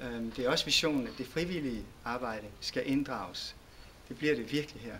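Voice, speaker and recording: A man speaks at a medium pitch and moderate pace. His bright, sharp tone carries ordinary pitch variation. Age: 40s. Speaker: local election candidate. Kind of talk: campaign address. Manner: hesitant with filler sounds.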